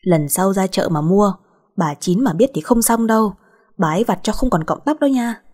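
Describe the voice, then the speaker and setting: A woman's voice: medium pitch, expressive, normal speed, a little mellow, slightly rough. A woman voicing a middle-aged aunt who nags and scolds her niece. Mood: scolding. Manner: scolding, nagging.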